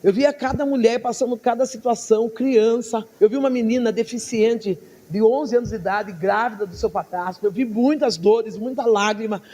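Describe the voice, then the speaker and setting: A woman pastor preaching a sermon, telling her story with lively, acted-out dialogue and frequent laughs. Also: fairly high pitch, moderate pace, hardly any pauses, long reverb tail. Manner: laughs often between phrases.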